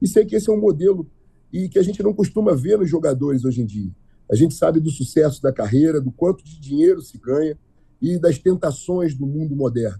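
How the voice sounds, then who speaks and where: A man with a fairly high pitch and a dark, mellow tone talks at a fairly quick pace with lively intonation. His loudness swings widely against a quiet background. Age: 40s. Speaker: state politician. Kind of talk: interview. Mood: warm, admiring. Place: office. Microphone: video call.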